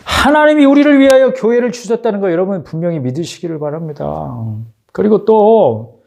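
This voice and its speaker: A man's voice: high-pitched, animated, brisk, gravelly, a little mellow. A man preaching a sermon as pastor, exhorting his congregation with rhetorical questions.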